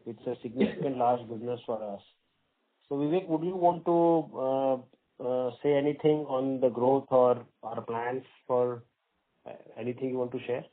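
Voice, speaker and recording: Man, Indian accent, company executive, conference call answers, halting measured phrasing, thin phone-line sound. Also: medium pitch.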